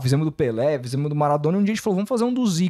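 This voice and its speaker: Over a quiet background, the intonation sounds lively. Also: man. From Brazil. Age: 30s. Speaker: football podcast host. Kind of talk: casual interview chat. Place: studio. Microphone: studio mic.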